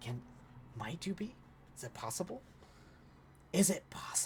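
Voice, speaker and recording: Whispering in a breathy, put-on character voice, a man speaks at a moderate pace with a dramatic tone. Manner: dramatic whispering.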